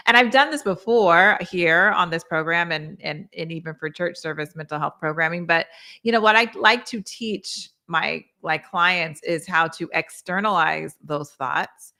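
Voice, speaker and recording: Woman therapist on a talk show, bright and forceful tone, affirming and earnest. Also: lowish voice, measured pace. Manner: earnest, affirming, explains with everyday examples. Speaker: co-host, therapist. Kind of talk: faith-based mental health talk show.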